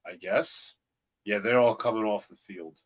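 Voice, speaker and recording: A man's voice: fairly low pitch, measured pace. A man with a New York accent joining a live fan stream from home, talking in an easygoing way with lots of fillers. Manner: easygoing, storytelling, filler-heavy. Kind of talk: casual fan chat. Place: home, on a video call.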